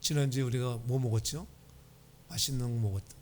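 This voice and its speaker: A man's voice: medium pitch, steady tone, brisk, darkish tone, a little hiss or hum. A man preaching a Sunday sermon in a church, telling humorous stories and asking the congregation for responses. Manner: humorous storytelling. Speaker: pastor. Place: church sanctuary.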